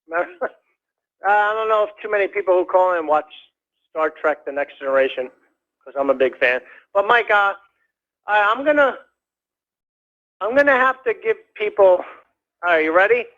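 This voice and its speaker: A man calling in to a radio show, rambling in a halting way with many fillers and restarts. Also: sits high, lively intonation, pushed and bright. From United States. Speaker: caller. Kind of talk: rambling call-in chat. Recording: dull lo-fi phone call.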